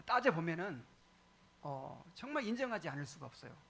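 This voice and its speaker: Male pastor, catechism sermon, high lively voice, quizzes the congregation, repeats his points. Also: creaky, slight background noise. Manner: asks the congregation questions, emphatic repetition; frequent fillers and pauses.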